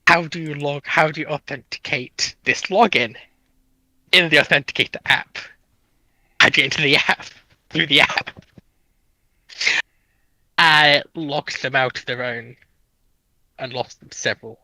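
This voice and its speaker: A man's voice: on the high side, unhurried, pauses often, sharp tone, dry recording, low-quality recording. A man on a panel, chatting casually and giving his opinions. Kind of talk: casual chat.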